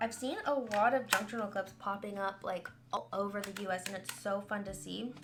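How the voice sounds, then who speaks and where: A woman's speech carries ordinary pitch variation, with audible room echo and noticeable background noise around it. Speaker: crafter and small business owner. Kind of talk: casual chat. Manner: loud; rambling, chatty.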